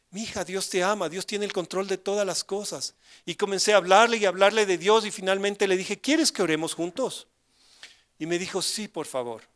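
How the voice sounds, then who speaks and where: Older pastor, high voice. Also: male voice. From Ecuador. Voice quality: storytelling with dramatic swings from loud declarations to hushed asides. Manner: addresses the congregation directly with rhetorical questions. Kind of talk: sermon.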